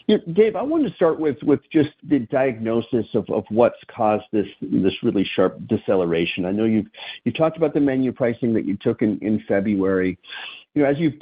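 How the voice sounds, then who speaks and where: A man speaking as a financial analyst, asking questions on a call in a halting way peppered with "you know". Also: medium pitch, breathy edge. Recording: tinny, narrow phone line.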